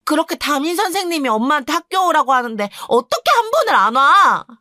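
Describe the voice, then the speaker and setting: A woman's voice: sits high, sing-song, quick pace, pushed and bright, dry recording, clean studio sound, pitched above the performer's own voice, heavily acted. A woman voicing an aggrieved teenage daughter who complains and pleads, story reading. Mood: indignant.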